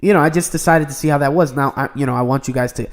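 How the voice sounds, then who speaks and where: A young man from New York City co-hosting a casual gaming podcast, chatting with lots of filler words and restarts. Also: medium pitch. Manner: fast, loose talk with filler and restarts. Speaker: podcast co-host. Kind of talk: casual chat.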